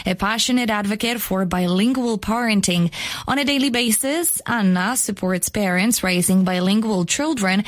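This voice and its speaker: A woman's voice: a little high, dry recording, studio quality. A woman reading a scripted radio introduction as the presenter. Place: radio studio.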